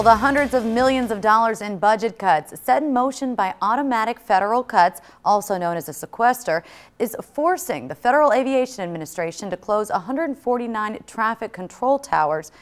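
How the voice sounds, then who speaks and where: A woman's voice: mid-range voice, animated, fairly quick, faint music behind. A woman with an American accent reading scripted news as a studio anchor.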